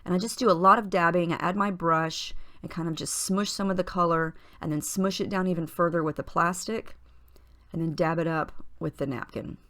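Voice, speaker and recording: Her voice is slightly low and husky from the morning, and she clears her throat while narrating. The scrapbooking host explains every step of her craft in a relaxed, chatty voice-over, pausing on small fillers.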